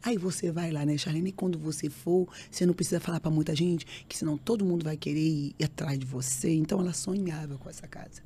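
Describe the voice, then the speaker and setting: A woman recounts her emotional faith testimony on a podcast quickly, with hardly any pauses, in a dark voice pitched a little low. Repeated phrases and impersonations of people in the story run through her telling, and a faint hiss runs underneath.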